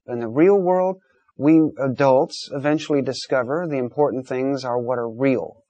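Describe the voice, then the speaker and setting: A man's voice: mid-range voice, moderate pace, dark tone, dry recording. A man hosting a call-in debate, talking in an emphatic, blunt, lecturing way. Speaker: talk show host.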